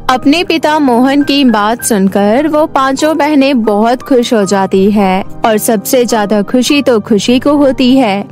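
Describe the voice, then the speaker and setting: A woman with a high voice narrates a children's story from a script. Music plays behind her storytelling. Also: darkish tone.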